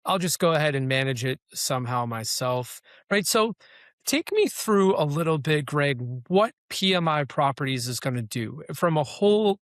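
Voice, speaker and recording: A man's voice: a little high, lively intonation, normal speed, dry recording, studio quality. A man hosting an interview show, asking questions in a conversational way with frequent "you know" fillers. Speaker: podcast host.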